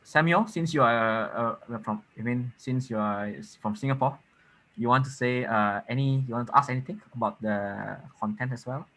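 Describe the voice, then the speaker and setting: A man's voice: mid-range voice, moderate pace, fairly bright tone, slight background noise, rough recording. A man moderating a competition's judging panel over a video call, upbeat and encouraging.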